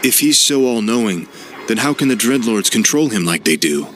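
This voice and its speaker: Ruthless death knight, fairly low voice, cold and proud, orchestral music. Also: male voice, big pitch swings, moderate pace. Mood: probing. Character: fallen prince turned death knight, ruthless. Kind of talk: game cinematic voice acting.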